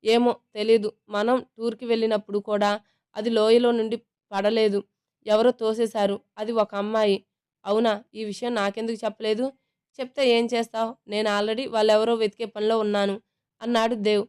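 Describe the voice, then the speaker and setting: A woman's voice: on the high side, flat delivery, a little fast, a little mellow, smooth. A woman narrating a serialized family romance, reading every character's lines in a light conversational tone. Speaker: storyteller. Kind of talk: scripted narration of a serialized story.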